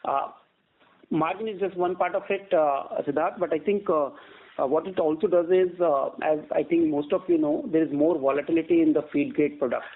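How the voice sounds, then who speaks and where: A man, a company executive answering analysts on an earnings call in a halting, measured way, often repeating words. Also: fairly high pitch. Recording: narrow tinny phone-line conference call.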